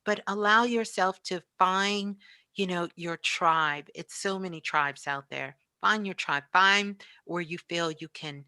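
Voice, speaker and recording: Bright-voiced woman in a dry space. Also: on the low side, measured pace, clean tone, no room sound. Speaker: spiritual radio show host. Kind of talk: casual motivational spiritual talk.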